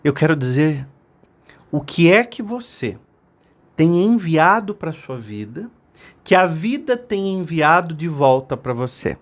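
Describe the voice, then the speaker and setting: Brazilian male self-help speaker; very expressive pitch, energetic and conversational. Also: a little slow. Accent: Brazilian Portuguese. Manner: animated storytelling, acts out voices in his stories. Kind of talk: motivational talk.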